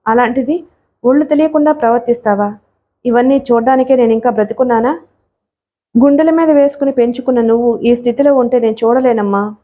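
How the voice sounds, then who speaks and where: A grieving middle-aged mother from a storybook, pleading through tears with a choked voice, read by a woman narrator. Her tone is soft, mellow and a little high. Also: a little fast, natural voice. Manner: pleading, tearful.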